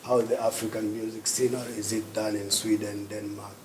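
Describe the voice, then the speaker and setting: On a symposium panel, a festival director from Tanzania speaks slowly in a lowish, monotone voice, frequently stopping to find the right words. The hall sounds roomy, and background noise is audible.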